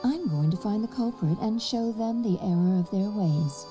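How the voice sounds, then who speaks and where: A sly bat jewel thief voiced by a woman teases and flirts over clearly audible music. The voice sits at a middling pitch, self-assured, in animated audio drama style. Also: normal speed, lightly acted. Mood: indignant, confident. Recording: music under the voice.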